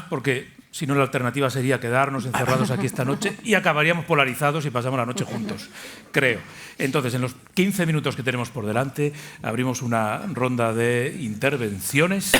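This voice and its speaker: A man's voice: medium pitch, a bit bright. A man moderating a live panel discussion and running the questions with light humor.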